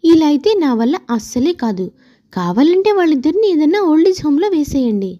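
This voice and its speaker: A high, animated storybook daughter-in-law, played by a woman narrator, aggrieved and defiant. She argues and complains with a mellow tone, on a slightly muffled recording. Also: fairly quick. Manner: complaining, argumentative.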